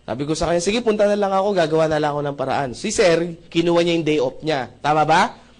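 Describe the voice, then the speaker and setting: At a seminar, a man shares his testimony in a fast, lively motivational story. He acts out the dialogue and keeps checking whether the audience agrees, his delivery animated with jumps in pitch and loudness.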